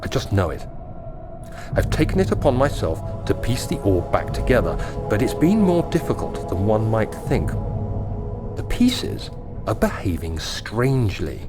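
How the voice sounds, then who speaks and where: An earnest young gentleman explorer in a horror video game, troubled and formal. The voice sits low but swings widely in pitch, with literary, introspective phrasing. Music plays behind it. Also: big pitch swings, unhurried. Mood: troubled, uneasy. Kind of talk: dramatic video game voice acting, journal narration.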